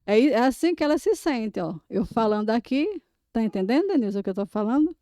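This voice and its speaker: A woman's voice: fairly high pitch, big pitch swings, fast talker, warm tone, dry recording, clean studio sound. A woman guest, an interpreter, explaining things in a demonstrative way with many small tag words. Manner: explanatory, demonstrative, peppers speech with "né" and "ó". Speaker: sign language interpreter, guest. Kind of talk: casual podcast conversation.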